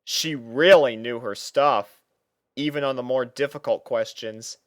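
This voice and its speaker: A man's voice: medium pitch, clear, resonant tone, dry recording, clean studio sound. A man reading a first-person fan fiction story as narrator, dramatising the character's thoughts.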